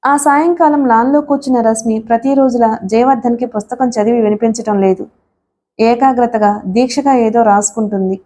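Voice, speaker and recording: High, mellow woman narrating a novel. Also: steady tone, fairly quick. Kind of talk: audiobook narration.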